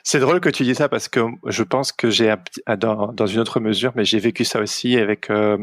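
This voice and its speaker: A man's voice: lowish voice, a little fast, no room sound, studio quality. A young man, hosting a casual podcast interview, hesitant with many restarts. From Belgium. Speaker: podcast host.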